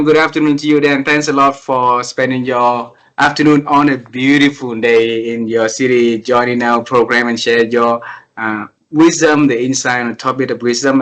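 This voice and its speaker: A man hosting an interview over a video call, polite and formal, with slightly halting phrasing. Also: medium pitch, a bit bright. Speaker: host.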